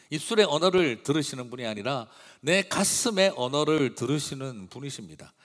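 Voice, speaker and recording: Animated male pastor in an echoing hall. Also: mid-range voice. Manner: emphatic and expressive, swinging between loud and hushed. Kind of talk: sermon. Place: church sanctuary. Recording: long reverb of a large hall.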